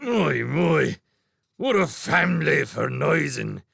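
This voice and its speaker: A man doing a gravelly rustic old mole. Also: a little high, big pitch swings, slow, fairly bright tone, no echo, clean studio sound, pitched above the performer's own voice, full character voice. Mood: wry. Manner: broken rustic dialect.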